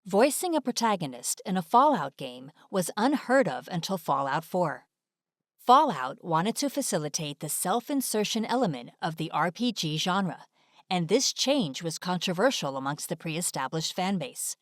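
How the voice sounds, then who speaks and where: A woman's voice: lowish voice, big pitch swings, moderate pace, no room sound, studio quality. A woman delivering scripted video essay narration in a polished, presentational manner.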